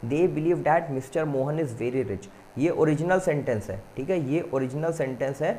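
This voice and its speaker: A male teacher going through an exam-prep question paper. He reads the English questions slowly and explains quickly in Hindi, addressing students as "beta". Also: a little high, mellow, slight background noise.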